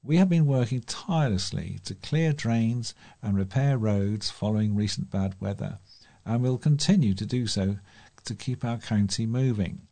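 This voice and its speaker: A man's voice: on the low side, normal speed, mellow. A man with a British accent reading local news aloud as a volunteer newsreader.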